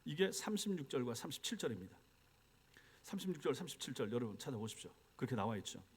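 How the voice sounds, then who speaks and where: A man's voice: mid-range voice, big pitch swings, quick pace, slightly rough. A male pastor preaching an expository sermon, walking the congregation through verses with frequent rhetorical questions. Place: church sanctuary.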